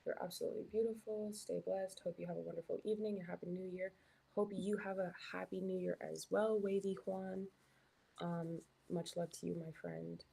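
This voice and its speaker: A woman's voice: lowish voice, little pitch movement, normal speed, gravelly, warm tone, husky, poor audio. A young woman from Canada, chatting casually as a live stream host while reading her chat, with lots of "like" and "um". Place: hotel room.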